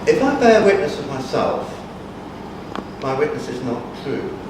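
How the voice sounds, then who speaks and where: A man's voice: mid-range voice, very animated, a little slow, voice pushed down. A man voicing Jesus as a grave, authoritative grown man, declaiming solemnly and emphatically in a dramatic scripture recitation. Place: conference hall. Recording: echoey hall from far off, noisy.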